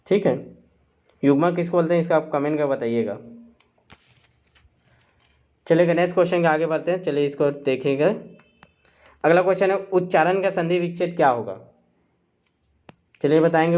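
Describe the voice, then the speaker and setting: A man's voice: fairly high pitch, darkish tone, dull audio. A man teaching a live online exam-prep quiz class, reading out questions and options and coaxing students with "theek hai". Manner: coaxing, repeats "chaliega" and "theek hai", reads options aloud.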